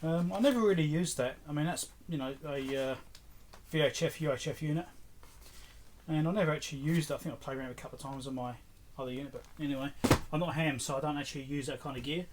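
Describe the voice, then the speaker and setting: Man rambling casually, slightly high voice. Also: quick pace. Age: middle-aged. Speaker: electronics repair video host. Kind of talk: casual unscripted show-and-tell. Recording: clear background noise with clicks.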